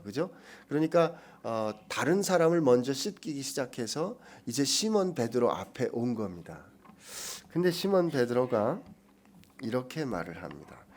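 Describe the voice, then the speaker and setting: A male pastor preaching and explaining Greek words to his congregation, moving between loud emphasis and hushed, almost whispered lines. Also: mid-range voice. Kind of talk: expository sermon.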